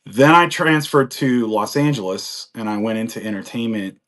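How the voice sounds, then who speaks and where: A man's voice: fairly low pitch, animated, normal speed, fairly bright tone. Chatty man in his forties. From United States. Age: 40s. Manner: rambling, chatty storytelling with frequent laughs and fillers. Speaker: guest on a live chat. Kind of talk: casual chat.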